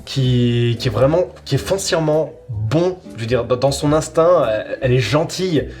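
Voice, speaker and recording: A man's voice: medium pitch, expressive, moderate pace, darkish tone, soft background music. A man presenting a casual review of an audio series, rambling and repeating words for emphasis. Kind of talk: casual chronicle, semi-improvised.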